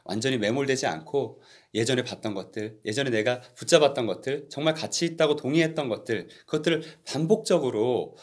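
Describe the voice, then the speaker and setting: A man's voice: medium pitch, a little fast. A man co-hosting a podcast, talking earnestly and explaining his thoughts during a reflective discussion of a Christian book. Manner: earnest, explanatory, lively intonation.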